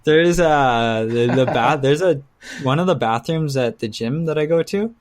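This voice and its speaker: A man's voice: fairly high pitch, a little slow. A man co-hosting a podcast, chatting casually and jokingly in loose, informal language with some swearing. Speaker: podcast co-host. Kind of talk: casual comedic banter.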